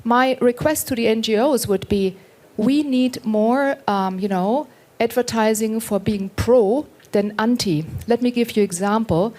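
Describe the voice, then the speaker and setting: Woman on a panel making her pitch, earnest, bit higher voice. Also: unhurried, mellow. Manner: earnest, persuasive, appealing directly to the audience. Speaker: industry panelist. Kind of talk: panel discussion remarks.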